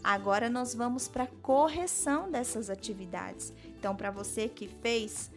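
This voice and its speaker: A woman's voice: a little high, measured pace, soft background music. A young woman teaching a math lesson as an intern, patiently explaining each step and talking straight to her students. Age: young adult.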